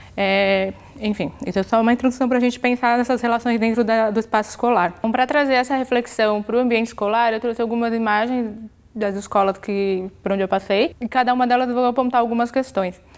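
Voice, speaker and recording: A woman talks very fast at a fairly high pitch. Her loudness stays very even throughout. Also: fairly even intonation. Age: 30s. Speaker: art teacher and artist. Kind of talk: workshop presentation. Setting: recorded at a workbench with materials. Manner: halting, many fillers.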